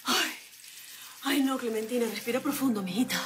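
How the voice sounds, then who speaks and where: A woman playing a frazzled wife, high voice. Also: moderate pace, heavy background noise, close to an everyday voice. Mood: self-soothing. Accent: Venezuelan. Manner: flustered and exclamatory, talks herself calm. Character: frazzled woman on New Year's Eve. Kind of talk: TV comedy-drama acting.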